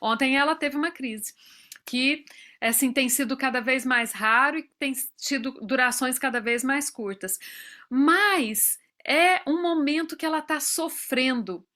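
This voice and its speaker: A woman's voice: high-pitched, unhurried, bright, forceful tone. A Brazilian woman in her forties giving a talk to professionals, telling stories from her own family and acting out quoted dialogue. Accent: Brazilian Portuguese. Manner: acts out dialogue in quoted voices. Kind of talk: lecture with personal stories.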